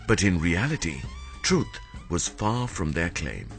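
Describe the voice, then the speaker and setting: A man reading a formal, scripted documentary narration in a measured way. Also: low-pitched, big pitch swings, gravelly, over loud music.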